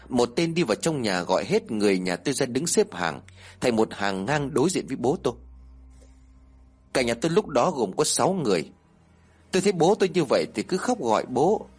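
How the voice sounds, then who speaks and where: Husky man telling a ghost story. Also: mid-range voice. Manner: lively, voices the quoted characters. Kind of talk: first-person ghost story narration.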